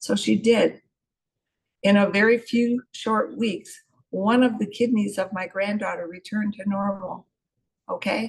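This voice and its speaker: The voice is somewhat breathy, with fairly even intonation, a fairly slow pace and long, frequent pauses. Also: woman, medium pitch for a woman. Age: 70s. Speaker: pharmacist. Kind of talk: testimony.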